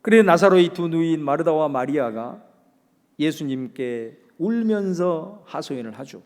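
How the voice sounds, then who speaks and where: A man preaching in a high-pitched voice, moving from loud, ringing declarations to near-whispers. His words ring out in a long church reverb. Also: animated, a little slow. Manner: dramatic preaching, swinging between loud proclamation and hushed speech. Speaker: pastor. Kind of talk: sermon.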